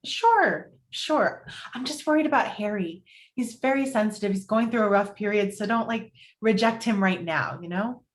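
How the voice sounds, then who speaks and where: A woman's voice: medium pitch, moderate pace, lightly acted. A woman playing a sensitive, fussy single woman in a romantic comedy table read, speaking hesitantly and conversationally. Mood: hesitant, concerned.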